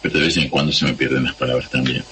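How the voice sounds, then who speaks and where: Deep-voiced rioplatense man, slow and halting, faint hum behind him. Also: steady tone, sharp tone. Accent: Rioplatense Spanish. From Argentina. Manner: unhurried, halting, searches for words. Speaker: guest sending a recorded greeting. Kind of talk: recorded spoken greeting.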